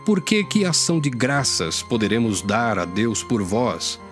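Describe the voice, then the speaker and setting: With medium pitch and big swings in intonation, a Brazilian-accented man reads scripture unhurriedly for an audio Bible. His scripted delivery is solemn and declamatory, accompanied by background music under his voice.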